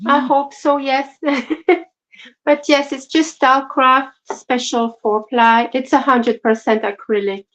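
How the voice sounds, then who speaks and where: A woman with a French accent co-hosting a casual crochet livestream, soft-spoken and apologetic with many fillers. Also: sits high, steady tone, slow. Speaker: co-host. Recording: dull lo-fi stream audio.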